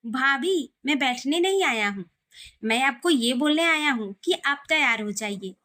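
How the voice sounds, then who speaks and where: A woman's voice: high-pitched, lively intonation, a little slow, sharp tone, full character voice. A woman reading the part of a cheerful young brother-in-law who teases and pleads. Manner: teasing, pleading.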